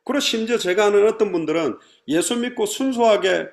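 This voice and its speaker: A pastor preaching a sermon, animated and acting out the people he describes. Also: high-pitched, fairly quick, gravelly. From Korea. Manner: animated preaching, mimicking complainers.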